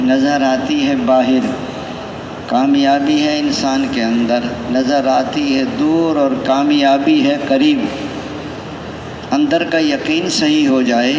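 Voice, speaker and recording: A man's voice: mid-range voice, highs cut off. A man with a Pakistani accent preaching a Muslim sermon conversationally, using rhetorical questions, repeated phrases and anecdotes. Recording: echoey hall, long reverb, noisy background.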